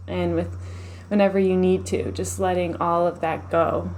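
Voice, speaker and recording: A woman leading a live guided meditation in a soothing, unhurried, gently instructive manner. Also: on the low side, level tone, a little hiss or hum.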